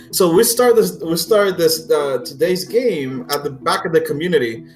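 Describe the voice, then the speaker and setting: A man's voice: a little high, expressive, measured pace. A man narrating a tabletop game casually as game master, in a playful, jokey manner. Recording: roomy echo, music behind.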